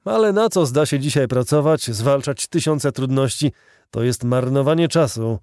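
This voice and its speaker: A man's voice: mid-range voice, animated, moderate pace, darkish tone, dry recording, clean studio sound, voice pushed up, natural voice. A man reading the lines of an indignant old male artillery veteran in a fervent, declamatory audiobook voice.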